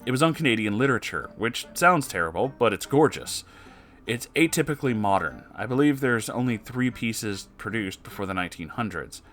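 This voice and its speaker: A man reading submitted stories aloud in a casual way, breaking in with animated, sarcastic and often sweary commentary. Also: mid-range voice, fairly quick. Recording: music behind the voice. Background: music.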